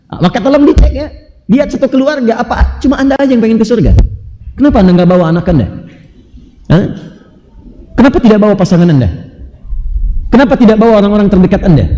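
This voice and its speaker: A man preaching a sermon emphatically, firing rhetorical questions at listeners and reciting scripture quickly. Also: high-pitched, dark tone, dull audio. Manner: recites Arabic scripture quickly between explanations. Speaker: Islamic preacher. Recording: long hall reverb.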